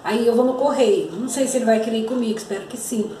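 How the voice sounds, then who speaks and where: A woman's voice: on the high side, fast talker, dark tone, a little hiss or hum. A woman in her fifties with a Brazilian accent, a grandmother chatting casually to her viewers in a home vlog, often calling out to them and using fond diminutives. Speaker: vlogger and grandmother. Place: home kitchen and living room, indoors. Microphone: phone camera held at arm's length. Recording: echoey home room.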